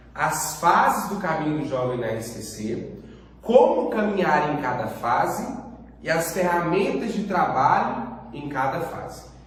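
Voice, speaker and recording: Audible room echo and noticeable background noise surround a man who speaks fairly slowly with very wide pitch swings. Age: 20s. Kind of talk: religious teaching workshop.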